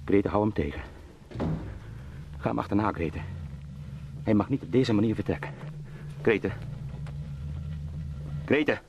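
An actor in a radio drama playing an anxious travelling salesman turned beetle, pleading and eager to please in halting, formally polite speech. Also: fairly low pitch, animated, lo-fi sound. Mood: desperate. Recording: clearly noisy radio play sound.

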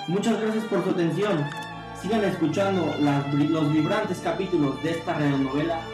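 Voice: mid-range voice, normal speed. A narrator giving emphatic, announcer-style narration for a melodramatic radio serial. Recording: roomy echo with violin music.

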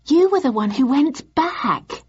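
A woman voicing an eager young female student activist who presses her point excitedly. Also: high-pitched, measured pace, slightly rough, voice pushed up, exaggerated voice. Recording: dull lo-fi audio.

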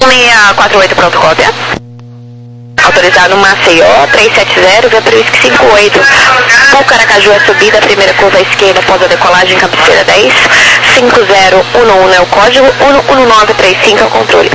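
A man with a Brazilian accent delivers air traffic clearances in short, procedural bursts. His voice is high and creaky, heard over an aviation radio with clear background noise. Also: a little fast. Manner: clipped procedural phraseology. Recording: noisy radio channel with hum.

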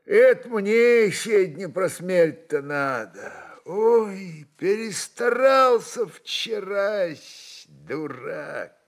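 A man voicing a drowsy, hungover Cossack comrade in a dramatic reading, gruffly friendly, with a groaning, complaining drawl. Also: high voice, animated, very slow, voice pushed up, heavily acted. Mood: sleepy grumbling.

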